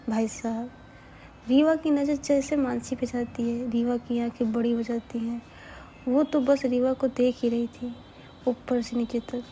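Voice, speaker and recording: A woman telling a love story in a casual, chatty way, with asides to the listener and quick self-corrections. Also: on the high side, warm tone, slight background noise.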